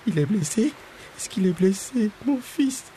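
An actor playing a hurried, money-driven minibus driver and father in a radio drama, impatient and barking orders. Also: high voice, lively intonation, dark tone, slight background noise. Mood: distraught.

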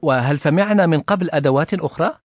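A man's voice: on the high side, fast, slightly rough, dry recording, faint music behind. A man hosting a radio language lesson, putting questions to the teacher for the listeners. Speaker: radio host.

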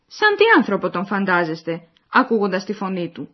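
A woman's voice: mid-range voice, sing-song. A woman reading the scripted narration of a language course, explaining and addressing the listeners. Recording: dull lo-fi recording.

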